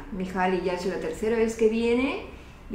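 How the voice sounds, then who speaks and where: Noticeable background noise and audible room echo surround a woman speaking at a moderate pace. Her medium-pitched voice keeps fairly even intonation. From Peru. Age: 70s. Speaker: fasting retreat participant. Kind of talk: interview.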